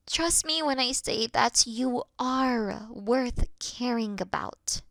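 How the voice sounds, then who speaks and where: A woman playing a caring, worried best friend in an intimate roleplay audio call, speaking softly and soothingly with breathy murmurs. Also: high-pitched, dry recording, clean studio sound, full character voice. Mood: tender, reassuring. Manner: soft, soothing, reassuring, sighing, dropping into breathy murmurs. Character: caring, gentle young female best friend, patient and worried.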